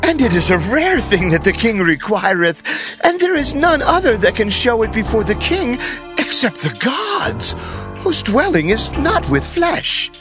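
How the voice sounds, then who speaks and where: Deferential ancient court sage: formal pleading, big pitch swings, scripture drama with clear music underneath. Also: male voice, big pitch swings, unhurried, exaggerated voice. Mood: protesting, pleading.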